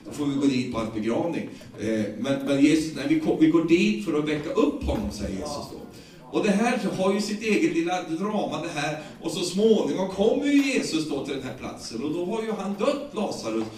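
A Swedish-accented man preaches a sermon in a loud, echoing room, heard from some distance. His voice sits a little high for a man, and he retells the scripture in lively, everyday language, stumbling over repeated words as he goes. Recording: echoey, distant room sound.

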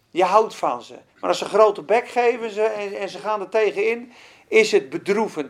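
Fervent preacher, gravelly texture, mid pitch, quizzes the congregation. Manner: fervent, swings between loud emphatic bursts and quiet asides; questions the congregation directly. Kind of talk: sermon.

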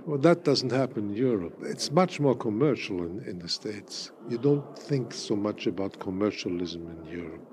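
Elderly German man, wry and measured. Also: on the low side, expressive, a little mellow, a little hiss or hum. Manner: measured, wry, with many fillers and restarts. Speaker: interviewee, cabaret artist. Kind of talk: reflective interview answers.

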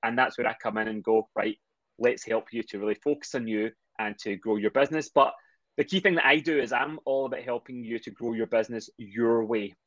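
A middle-aged man with a Scottish accent, a mindset coach speaking as a guest on a podcast, talking quickly and energetically as he explains. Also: medium pitch, dry recording, lo-fi sound. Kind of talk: podcast interview.

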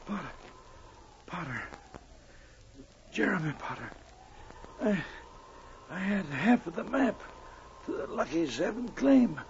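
An actor playing a bitter old prospector, mortally wounded, stammering and gasping weakly in 1940s radio style. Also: male voice, high-pitched, big pitch swings, slow pace, pauses often, exaggerated voice. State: weak, gasping, dying. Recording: dull, noisy old radio recording.

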